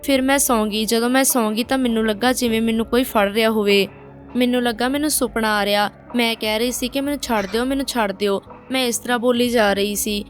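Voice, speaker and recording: A woman's voice: fairly high pitch, steady tone, brisk, soft background music. A woman narrating a painful first-person story in a plain, direct way.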